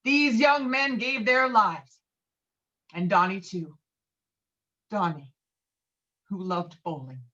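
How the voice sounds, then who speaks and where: A woman's voice: mid-range voice, slow, pauses often, fairly bright tone, muffled recording. A woman playing a hot-headed, pompous middle-aged male veteran and bowler in an online script read. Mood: solemn, pompous. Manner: blustering, pompous, foul-mouthed. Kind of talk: virtual table read of a film script. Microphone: video call.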